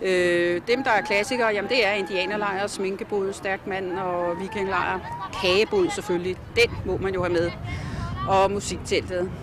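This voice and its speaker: Speaking at a fairly slow pace, a woman with medium pitch is heard in a dry recording with no echo but noticeable background noise. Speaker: festival coordinator. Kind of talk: interview. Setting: outdoors. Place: open country. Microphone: handheld.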